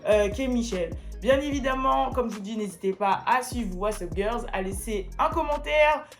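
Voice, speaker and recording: A woman's voice: on the high side, normal speed, soft background music. A woman hosting a casual gossip vlog, chatty and full of filler words as she explains celebrity feuds. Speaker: gossip vlogger host.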